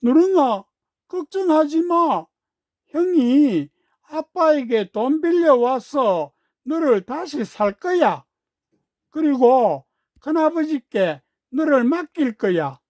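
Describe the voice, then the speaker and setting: A man's voice: extremely high pitch, sing-song, slow pace, a little mellow, no echo, studio quality, pitched above the performer's own voice, heavily acted. A man reading a storybook, voicing an eager young boy who pleads insistently for his calf. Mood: tender.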